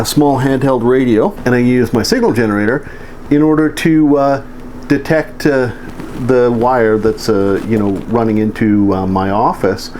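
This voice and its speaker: A man giving an informal hands-on how-to demonstration, halting as he thinks aloud. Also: mid-range voice, a little mellow. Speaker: electronics hobbyist presenting a how-to. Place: indoors, home office. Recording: hissy air-conditioner hum, amateur audio.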